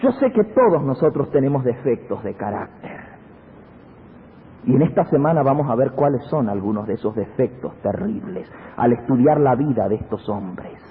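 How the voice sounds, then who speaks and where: A man's voice: very animated, moderate pace, slight background noise. A man preaching a sermon, retelling a Bible story dramatically and calling his listeners brothers. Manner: dramatic storytelling, swinging from low hushed to high exclaiming. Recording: tinny phone-like radio broadcast with long reverb.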